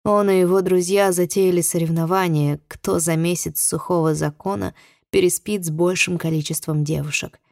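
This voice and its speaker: A woman narrating a novel in the first person with a tense, expressive reading. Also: fairly low pitch, normal speed, vocal fry, no room sound, clean studio sound. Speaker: audiobook narrator.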